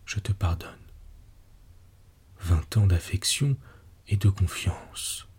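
A devoted, forgiving woman voiced by a man speaks in a hushed, breathy whisper, in whispered role-play. Her tone stays low and dark, slow and intimate, like a storybook confession. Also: lively intonation, heavily acted. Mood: tender. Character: tender forgiving woman, devoted, soft-spoken.

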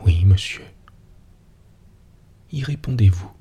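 A man voicing a lively, teasing young woman in a breathy near-whisper, as whispered role-play. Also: low voice, slow pace, lo-fi sound, heavily acted. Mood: coy.

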